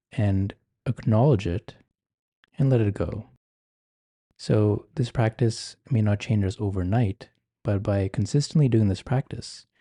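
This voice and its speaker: A man guiding a meditation in an ASMR-like style, speaking gently and giving soft, measured instructions. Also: lowish voice, dry recording, studio quality. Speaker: meditation guide.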